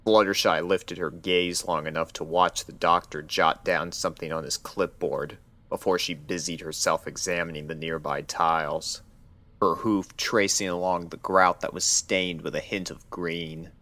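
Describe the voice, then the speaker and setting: A man narrates a story from a script. His voice sits low and he takes his time, reading at a slow, measured pace. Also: bright, forceful tone. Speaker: narrator of a fan fiction reading.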